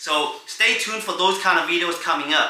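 Audible room echo follows a man who talks at a fairly quick pace. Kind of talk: casual unboxing vlog. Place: home room.

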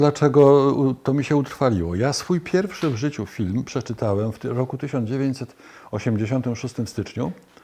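With an unremarkable speaking voice, a man talks at a fairly quick pace using lively intonation. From Warsaw, Poland. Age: 60s. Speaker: film voice-over narrator. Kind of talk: oral history interview answer. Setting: at home.

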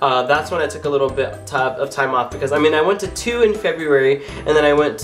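Faint music plays in the background. The voice shows ordinary pitch variation. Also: man. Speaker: vlogger. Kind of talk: casual vlog chat. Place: home room. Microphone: webcam.

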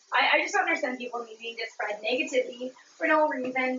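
A woman's high-pitched voice at a very fast pace, with ordinary pitch variation, audible room echo and light background noise. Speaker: cooking vlogger. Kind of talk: casual vlog narration. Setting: home kitchen. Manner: fast talker. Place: kitchen. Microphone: camera far.

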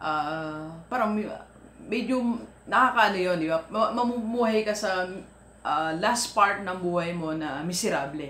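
A woman with a fairly low pitch speaks at a fairly slow pace, with audible room echo and light background noise. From Philippines. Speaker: motivational vlogger and life coach; motivational vlogger, life coach. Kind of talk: motivational vlog talk. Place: home room.

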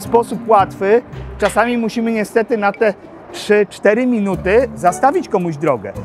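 A high-pitched man at a moderate pace, with a dry sound with no echo and clear music in the background. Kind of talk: interview answer. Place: street. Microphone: lapel.

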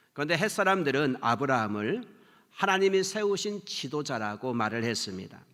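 A man's bright, sharp tone, very wide pitch swings and fairly slow pace, on a very clean recording with a silent background. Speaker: pastor. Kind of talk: sermon. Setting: church.

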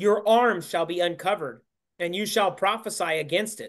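A quiet background frames speech delivered at a moderate pace. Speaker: Bible study teacher. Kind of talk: Bible study lesson. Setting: video call.

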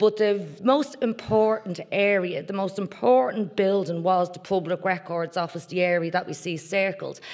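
A woman with a Dublin accent at medium pitch and moderate pace, with hardly any pauses and big swings in loudness. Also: ordinary pitch variation, quiet background. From Dublin, the Liberties. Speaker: historian. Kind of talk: lecture. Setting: stage with audience. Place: stage.

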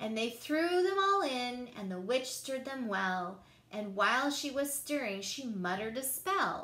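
Straightforward reading out loud.

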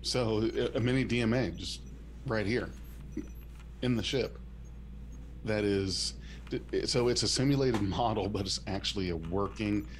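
Fairly slow speech with long, frequent pauses and vocal fry, over light background noise. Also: man, lively intonation. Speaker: podcast co-host. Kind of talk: casual chat. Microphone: studio mic.

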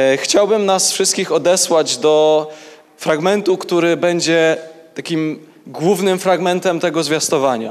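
A man speaking at a fairly slow pace. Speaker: preacher. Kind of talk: sermon. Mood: warm, moved, smiling. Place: church. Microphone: handheld.

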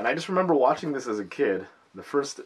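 A man talks quietly at a fairly quick pace. His pitch swings very widely. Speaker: video game reseller YouTuber. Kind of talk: casual haul video. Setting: at home at night. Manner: quiet, hushed. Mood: upbeat, amused. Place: home room.

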